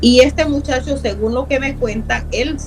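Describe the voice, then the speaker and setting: A woman's voice: sits high, normal speed, noisy background. A middle-aged woman from Honduras, earnestly telling a personal story as a guest, repeating words for emphasis.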